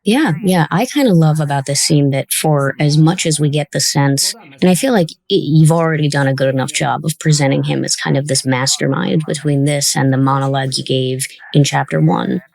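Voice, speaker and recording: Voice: mid-range voice, brisk, gravelly, hardly any pauses, a little mellow. A podcast host in a casual interview and commentary, talking in a thoughtful, encouraging way as the show's creator.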